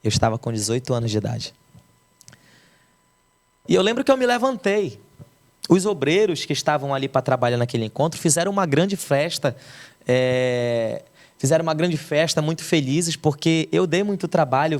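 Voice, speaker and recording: A man's voice: on the high side, lively intonation, moderate pace. A young adult man from Brazil, a pastor, telling the emotional story of his conversion as a testimony.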